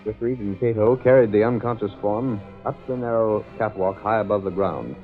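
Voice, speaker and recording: Deep-voiced man narrating old radio drama. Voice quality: measured, formal storytelling. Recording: tinny old radio broadcast with music.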